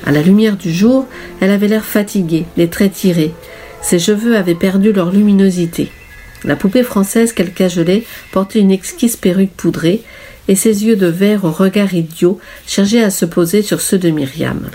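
A woman narrating a story in a measured, even reading manner. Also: mid-range voice, soft background music. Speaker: audiobook narrator.

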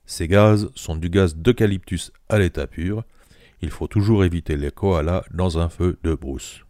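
A man's voice: deep voice, measured pace, warm tone, dry recording, studio quality. A man voicing a sly old male bush storyteller who spins tall tales with emphatic swings in a read-aloud story. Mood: yarn-spinning.

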